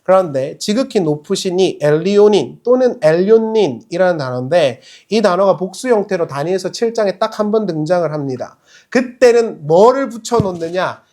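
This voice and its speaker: A male pastor preaching a sermon in a conversational, lively way, putting rhetorical questions to the congregation. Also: high-pitched. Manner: acts out quoted speech in other voices.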